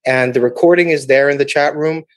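A man hosting a trading webinar on a video call, making a sales pitch and answering viewer questions. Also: a little fast, no room sound. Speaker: webinar host.

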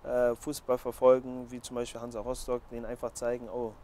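A man's voice: mid-range voice, completely flat delivery, brisk, mellow. A man in his twenties from Hamburg, a footballer answering interview questions in a casual way. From Hamburg, Germany. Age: 20s. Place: open-air terrace by a training pitch. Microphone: lapel mic. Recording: outdoor recording with clear background noise.

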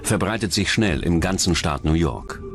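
A man's voice: sits low, expressive, moderate pace. A man reading scripted true-crime documentary narration as the narrator. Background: background music.

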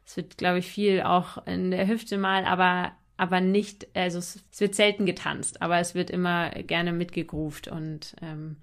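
A woman's voice: lowish voice, fairly even intonation, normal speed, hardly any pauses. Enthusiastic woman, casual interview guest. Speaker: musician guest.

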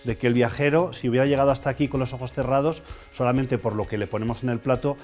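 Measured man, soft music behind. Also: mid-range voice, steady tone. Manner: measured, reflective. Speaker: chef. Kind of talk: interview talk.

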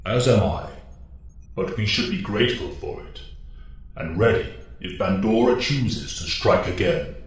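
A man acts as a wise alien mentor in a radio play. His voice is low and very slow, grave and formal. It booms from a distance in cavernous echo. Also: lively intonation. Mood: solemn. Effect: heavy echo on the voice.

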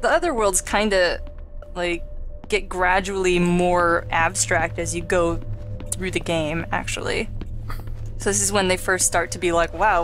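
A woman's voice: fairly low pitch, a bit bright. A woman hosting a let's play, giving casual commentary as she plays. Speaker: gamer, let's play host.

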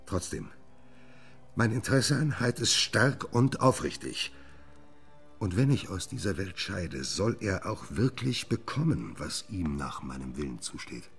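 A middle-aged gentleman scientist, proud and secretive, in a radio play. His very low, husky voice swings widely from murmurs to sudden outbursts. Faint music sits behind him. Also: very animated, unhurried, heavily acted. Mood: grave, pleading. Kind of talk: German radio drama acting.

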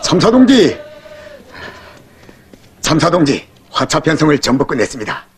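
A man playing an eager subordinate reporting to his superior in a raspy voice. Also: mid-range voice, lively intonation, fast talker, a bit bright. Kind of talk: film drama acting.

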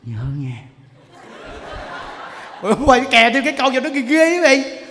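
A man, a Buddhist monk preaching and telling stories in an animated way. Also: very high-pitched, fast, a little hiss or hum. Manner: animated storytelling, acts out people he quotes. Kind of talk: sermon. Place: temple hall. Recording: long hall reverb, faint ambience.

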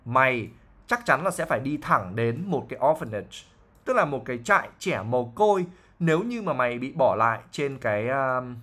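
A man's voice: mid-range voice, fairly bright tone. A man, an English teacher patiently explaining a novel line by line, with fillers and frequent checks for understanding.

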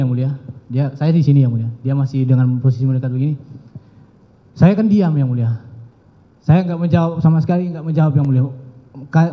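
A young man giving halting, deferential testimony in court, repeatedly addressing the judge. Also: mid-range voice. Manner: halting, deferential, often says "Yang Mulia". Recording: muffled broadcast audio with long courtroom reverb.

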